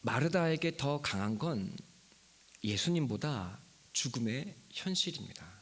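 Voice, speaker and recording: A male pastor preaching a sermon to his congregation, retelling a Bible story and acting out its characters, sometimes dropping to a hushed whisper. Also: mid-range voice, expressive, unhurried, husky. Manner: emphatic preaching that drops to a hushed whisper for key words; addresses the congregation directly. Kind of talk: Easter sermon.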